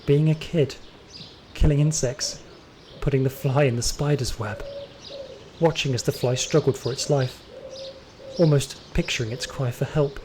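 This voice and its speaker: A man's voice: medium pitch, normal speed, pauses often, a little hiss or hum, natural voice. A man playing a terrified, wounded security guard, narrating his ordeal in intense first-person audio drama style. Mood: grim, subdued. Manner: intense, anguished, theatrical. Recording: loud music behind the voice.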